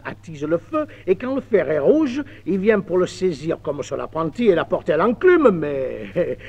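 A man telling a folk tale in a lively, expressive theatrical reading, on an old mono record. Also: high voice. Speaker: storyteller. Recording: dull 1950s mono record.

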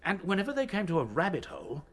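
Shaken rabbit captain, halting. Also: male voice, sits high, wildly swooping pitch, heavily acted. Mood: grave. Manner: halting, searching for words. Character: battle-worn male rabbit captain, shaken, recounting horrors. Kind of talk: radio drama dialogue.

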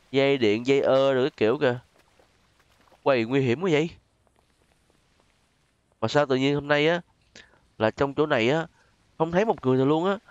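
A male gaming host with a southern Vietnamese accent and a smooth, medium-pitched voice. He chats casually to his viewers as he plays, with frequent exclamations. The recording sounds a little dull and muffled. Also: dry recording. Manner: chatty, exclamatory, addresses viewers often. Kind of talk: casual gameplay commentary with role-play.

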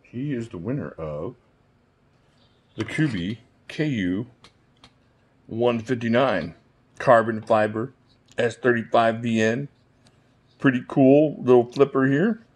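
A man's voice: medium pitch, slow pace, pauses often, a little mellow. A man talking casually and informally as the host of a giveaway video, recorded indoors from behind the camera. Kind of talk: casual giveaway vlog talk.

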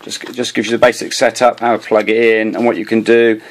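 Fairly quick and flat, his lowish voice carries slight background noise as he demonstrates a gadget at his desk in a small indoor room. The amateur radio hobbyist and video host is casual and improvised, rambling, hesitating, and frequently repeating words, all captured on a handheld camera or phone.

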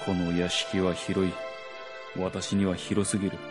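Sad gentle lord of the manor, low soft voice, radio drama w music behind. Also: male voice, level tone, a little slow. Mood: sorrowful, brooding. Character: melancholy, gentle nobleman master of a manor. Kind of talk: Japanese radio drama acting.

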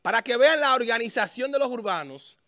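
A man's voice: very high voice, lively intonation, fairly quick, sharp tone, dry recording. A man hosting a casual studio chat, thinking aloud as he searches a website. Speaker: show host. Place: small studio with a festive desk. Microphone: studio mic on a stand.

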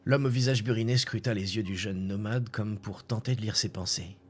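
Low-voiced guy streaming a game, casual, swears, reads stuff out loud. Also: steady tone, fairly quick, a little hiss or hum. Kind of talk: casual gameplay commentary and reading aloud.

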